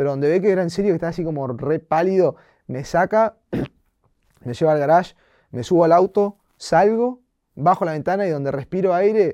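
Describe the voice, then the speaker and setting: In a Rioplatense accent, a man talks at a fairly quick pace with a high pitch, a dark, mellow tone, ordinary pitch variation and long, frequent pauses. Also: dry, close sound with no echo. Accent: Argentine Rioplatense Spanish. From Argentina, Bahía Blanca. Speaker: streamer. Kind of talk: casual interview. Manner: halting with many fillers.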